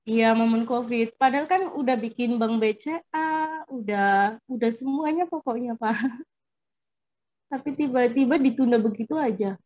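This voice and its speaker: A woman's voice: on the high side, moderate pace, darkish tone, rough recording. A woman on a video call politely recounting a job application to her coach in short replies. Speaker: coaching client, job seeker. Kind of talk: casual conversation.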